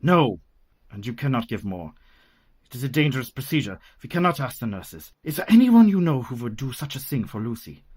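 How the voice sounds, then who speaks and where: A man's voice: medium pitch, big pitch swings, a little fast, a little mellow, husky. A man playing a grave, commanding older doctor in a radio play. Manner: grave, urgent, formal.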